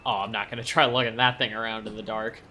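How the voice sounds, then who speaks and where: A man's voice: on the low side, level tone, fast, bright, forceful tone, a little hiss or hum. An actor playing a friendly, easygoing young man from an island town in an audio drama, casual and reassuring. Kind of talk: naturalistic audio drama acting.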